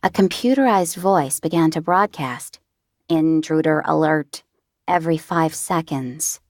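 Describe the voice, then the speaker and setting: A woman narrates a first-person audiobook in a measured, even manner, taking her time over every phrase. Her voice sits on the low side, and the close mic in the booth gives a dry, dead sound. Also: no room sound.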